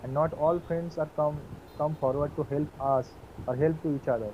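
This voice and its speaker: A man in his twenties from West Bengal with a Bengali accent, practising English on a video call, polite and hesitant with many pauses. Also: a little high, fairly even intonation, phone-quality sound, background noise. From West Bengal, India. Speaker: English learner.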